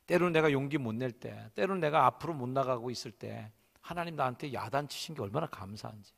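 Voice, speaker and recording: A male senior pastor preaching a sermon in a church sanctuary, animated and acting out the voices in his stories. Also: medium pitch, fast talker, vocal fry, big-room sound.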